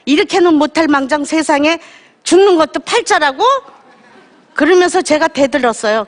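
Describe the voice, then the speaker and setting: A woman's voice: high voice, in a large hall. A woman giving an emotional, conversational lecture about her own life on stage. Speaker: lecture guest speaker. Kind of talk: emotional personal storytelling lecture. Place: lecture stage before an audience.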